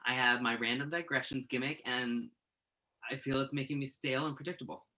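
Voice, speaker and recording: A man's voice: mid-range voice, fairly even intonation, a little fast, pushed and bright, close to an everyday voice. A man acting in a play reading as a self-doubting, sardonic entertainment journalist who puts himself down. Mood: frustrated, dejected.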